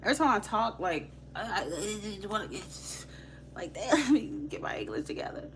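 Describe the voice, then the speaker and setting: A woman's voice: medium pitch, animated, normal speed, background noise. A young woman with a Haitian accent, giving live tarot readings in a casual, slangy, chatty way and laughing easily. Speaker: tarot reader.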